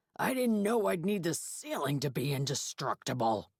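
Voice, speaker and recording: A put-on character voice, gruff and growling, at a low-to-middle pitch. It moves at a moderate pace. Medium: read story. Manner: gruff, hostile.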